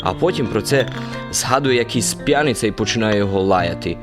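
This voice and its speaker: An actor playing a good-natured, simple-minded soldier who rambles naively and confidently in a radio play. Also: male voice, fairly low pitch, animated, brisk, close to an everyday voice. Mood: rambling, chatty. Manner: rambling, naive tavern philosophizing with confident pronouncements. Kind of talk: radio play character acting. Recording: music under the voice.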